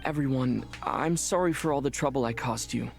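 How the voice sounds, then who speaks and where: A man's voice: mid-range voice, moderate pace, creaky, lightly acted. A man voicing an earnest, composed young adventurer in a video game.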